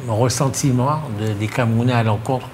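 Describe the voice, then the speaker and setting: A man's voice: mid-range voice, a little fast, a little mellow, slight background noise. A man hosting a press panel, asking probing questions with a teasing edge. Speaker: host. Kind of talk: panel discussion.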